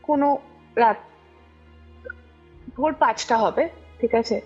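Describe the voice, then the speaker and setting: A woman's voice: fairly high pitch, slow, a little mellow, slightly rough. A young woman tells a personal story casually and conversationally, often checking that her listener follows. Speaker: guest recounting a personal ghost experience. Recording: muffled lo-fi audio over music. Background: music.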